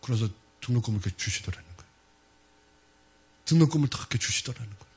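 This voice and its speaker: A male pastor telling a story in a sermon, animated and acting out the voices of the people in it. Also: mid-range voice, racing, breathy edge.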